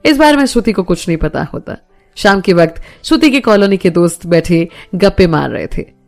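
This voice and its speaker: A woman narrating a romance audio story in a steady storytelling manner. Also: lowish voice, moderate pace, vocal fry, faint music behind.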